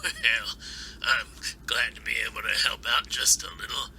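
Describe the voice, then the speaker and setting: Sharp, gravelly, wary older man played by an actor. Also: medium pitch, fairly even intonation, moderate pace, a little hiss or hum. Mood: rueful. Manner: folksy, plain-spoken. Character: wary, plain-spoken older male book author, folksy. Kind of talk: amateur audio drama acting.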